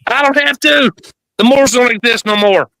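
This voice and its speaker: A man's voice: very high voice, moderate pace, sharp tone, no echo, rough recording. A man arguing on a live show, exasperated and dismissive, firing back short retorts. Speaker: show participant arguing with a caller. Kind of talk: heated live debate.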